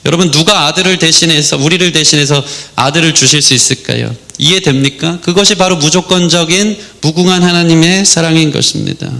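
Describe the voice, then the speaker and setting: Earnest Korean pastor, slightly high voice. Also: male voice, a little fast, creaky, hardly any pauses, bright, forceful tone. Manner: earnest storytelling, rises sharply in pitch when stressing a point. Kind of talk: sermon. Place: church sanctuary.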